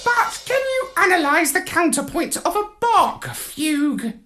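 A man's voice: very high voice, big pitch swings, a little slow, sharp tone, faint music behind, pitched above the performer's own voice, heavily acted. A man voicing a bossy, brainy male parrot who talks down to others in a storybook reading. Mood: haughty. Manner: lofty, superior.

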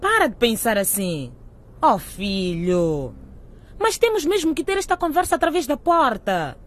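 A woman's voice: a little high, very animated, a little slow. A woman playing an emotional, exasperated middle-aged mother of a teenage son in a radio drama. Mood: consoling, insistent.

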